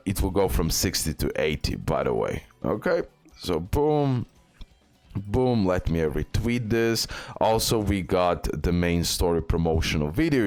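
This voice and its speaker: Low-voiced man giving casual gaming commentary. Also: clear, resonant tone. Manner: informal, halting delivery with repeated filler words and check-in tags. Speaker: gaming content creator and host. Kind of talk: casual gaming news commentary over on-screen images.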